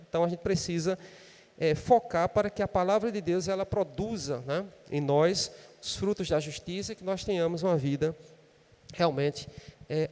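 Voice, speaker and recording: In a big church hall, a man with a Brazilian Portuguese accent preaches in a conversational way, often ending sentences with a questioning "né?". His voice is on the high side with a darkish tone.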